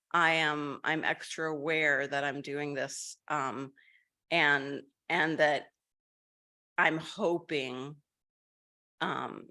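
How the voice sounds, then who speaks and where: A woman leading a group meditation over a video call, talking gently with many fillers and restarts. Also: low voice. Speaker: meditation guide.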